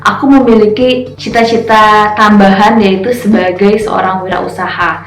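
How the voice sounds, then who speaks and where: A woman's voice: medium pitch, steady tone, moderate pace. A woman in her twenties, a teacher and mother, speaking earnestly in an interview testimonial. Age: 20s. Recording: roomy sound with soft music.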